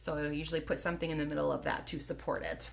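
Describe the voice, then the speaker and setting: A woman talking at a fairly quick pace, with audible room echo. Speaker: card-making crafter. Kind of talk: live crafting tutorial. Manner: fast; casual, encouraging.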